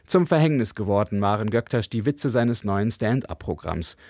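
A man reporting for radio as a correspondent, with measured, even delivery. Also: on the low side, no echo, studio quality. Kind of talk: news report.

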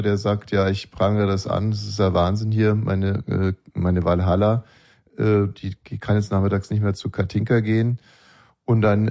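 A man's voice: lowish voice, dark tone. A middle-aged man co-hosting a casual political chat, speaking hesitantly with many fillers and restarts. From Berlin. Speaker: podcast co-host.

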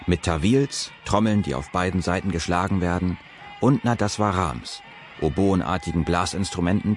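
Deep-voiced male documentary narrator. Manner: calm, measured reading. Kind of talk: scripted narration.

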